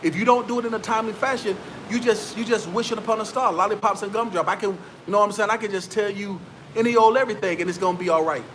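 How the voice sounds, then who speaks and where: A man's voice: high-pitched, fast talker, fairly bright tone, slight background noise. A man, giving motivational business advice straight to his viewers in a preachy, repetitive way. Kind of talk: motivational talk to camera.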